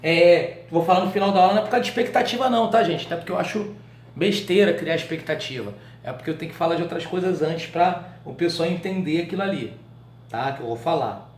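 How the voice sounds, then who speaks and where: A Brazilian man with a fairly high voice teaches a writing class. He talks in a loose, colloquial way and keeps tossing quick check-in questions to his students. The sound is echoey, as if from a bare room. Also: a little hiss or hum. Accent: Brazilian Portuguese. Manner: colloquial, animated explaining. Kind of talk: live online writing class.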